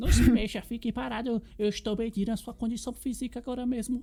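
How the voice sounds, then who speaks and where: Using a put-on, robotic character voice, a woman speaks at a fairly quick pace and fairly high pitch over light background noise. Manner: commanding, flat.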